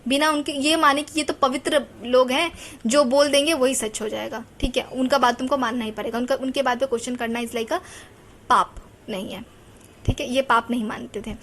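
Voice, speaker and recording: A young woman with a high voice gives a relaxed lecture. She talks in a chatty way, drops English terms into her speech and keeps asking the listener rhetorical questions. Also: normal speed, a little hiss or hum. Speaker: teacher. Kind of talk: casual Hindi-English lecture.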